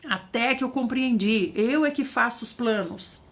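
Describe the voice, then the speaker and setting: Female preacher, lively and a bit high, acts out quoted voices. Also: a little slow. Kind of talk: devotional teaching.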